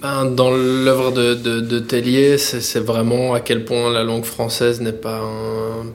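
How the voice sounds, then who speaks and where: A man who is a musician answering interview questions in French, talking in a halting way with many fillers and restarts. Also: mid-range voice, monotone, slight background noise. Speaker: musician guest.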